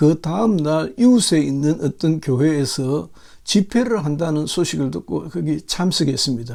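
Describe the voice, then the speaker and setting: Speaking very slowly, a man has a fairly high pitch with a dark, mellow tone. His intonation is lively. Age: 60s. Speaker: pastor. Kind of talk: sermon.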